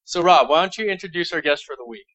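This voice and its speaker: Higher-pitched man, slightly dull recording. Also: animated, quick pace, a bit bright. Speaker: podcast host, indie game developer. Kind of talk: casual podcast talk.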